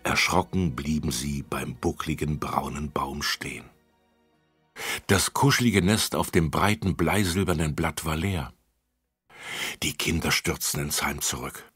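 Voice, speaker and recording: A man narrating a children's audiobook in a lively storytelling manner. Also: very deep voice, a little slow, slightly rough, dry recording, soft background music.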